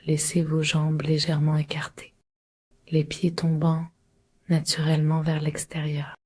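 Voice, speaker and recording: A woman leading a guided relaxation meditation in a breathy, husky, often near-whispered voice, giving slow, soothing, measured instructions. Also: low voice, completely flat delivery, dark tone. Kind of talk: guided Yoga Nidra meditation.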